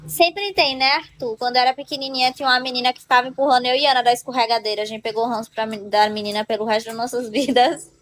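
A young woman hosts her own live stream, chatting and joking with viewers. Her voice sits on the high side, and her talk is playful and chatty, with frequent laughs. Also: steady tone, quick pace, few pauses, fairly bright tone. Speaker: livestream host.

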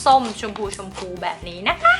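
Female vlog host from Thailand, chatty and giggly, high and bright, very animated delivery. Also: normal speed, faint music behind. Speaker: slime channel host. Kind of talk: casual chat vlog.

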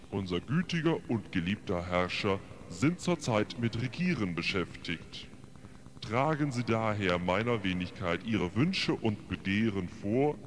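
A low-voiced, solemn man acted out by a male performer delivers a comic answering machine message. He is formal and deadpan, like an official making an announcement. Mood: pompous.

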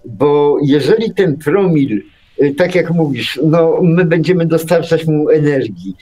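An older man on a talk show panel, discussing casually in a sardonic, halting way. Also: on the high side, lively intonation, dark tone.

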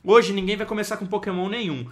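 A man with a Brazilian accent, hosting a Minecraft Pokémon challenge and chatting excitedly with friends, teasing and full of slang. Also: sits high, fast. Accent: Brazilian Portuguese. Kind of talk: casual gaming chat with friends.

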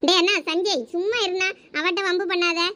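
A woman's voice: very high voice, fairly even intonation, heavy background noise. A woman with a Thoothukudi Tamil accent playing a chatty, teasing young village woman in a comedy skit. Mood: sassy. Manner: quick, bossy, teasing.

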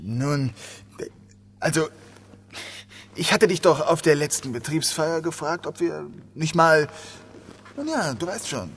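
Guy acting awkward dry police inspector, crime audio drama, animated melody, bit hesitant. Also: fairly high pitch, takes it slowly, long pauses, slight background noise, full character voice. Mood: awkward, sheepish. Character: male detective inspector, dry, awkward, narrating his case. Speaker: lead actor and narrator.

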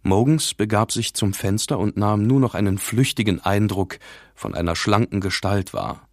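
A man reading an audiobook in a measured, dramatic scripted narration, recorded in a studio. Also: lowish voice, dry recording.

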